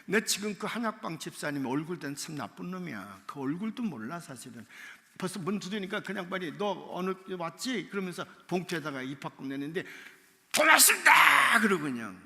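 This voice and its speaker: A male pastor tells a long story from the pulpit and voices every character himself, sometimes shouting or crying out the lines. His voice is gravelly, bright and sharp, and it swings widely up and down in pitch. The sermon rings with a long church-hall reverb. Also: animated, fast. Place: church sanctuary.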